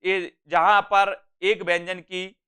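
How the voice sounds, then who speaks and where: Male teacher from India, high bright voice, smooth and clear, repeats points and recites verse slowly. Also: little pitch movement. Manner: repeats points, keeps asking "है ना?"; slows to recite verse lines. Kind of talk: exam-prep lesson.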